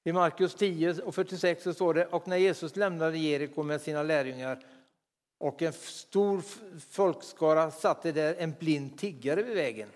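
A man preaching a sermon with fervent delivery, repeating hallelujah between points and dropping into whispered asides. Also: on the high side. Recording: long hall reverb.

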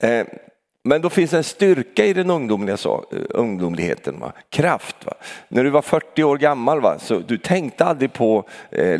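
An older man gives a chatty sermon in an animated, swinging voice that rises and falls a lot. He keeps tossing out little questioning tags for agreement and laughs easily. His voice carries a long reverb, as if from a church hall. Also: medium pitch. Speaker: preacher. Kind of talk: conversational sermon.

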